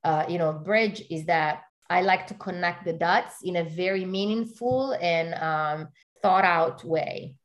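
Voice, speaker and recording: A woman's voice: on the low side, measured pace. A woman from Italy, a guest in an interview, talking in an earnest, casual way and filling her speech with "you know" and "like".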